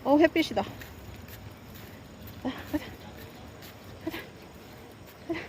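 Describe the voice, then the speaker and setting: A woman's voice: high voice, animated, slow, a little mellow, slight background noise. A woman walking her dogs outdoors, chatting casually on a phone live stream and fondly scolding her pets. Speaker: dog owner live-streaming a walk. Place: outdoors on a walking path by stepping stones.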